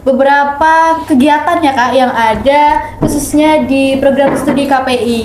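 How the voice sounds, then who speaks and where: A woman's voice: sits high, unhurried, a little mellow. A young woman hosting an interview, putting questions to guests and summing up their answers. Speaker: host. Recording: echoey room with background noise.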